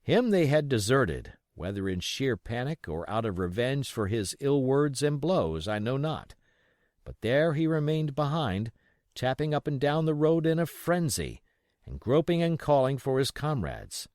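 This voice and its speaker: A man narrates an adventure novel with expressive, dramatic storytelling. His middle-range voice moves widely up and down, and the recording is close and dry with no room sound. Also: mid-range voice, measured pace, no room sound. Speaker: audiobook reader.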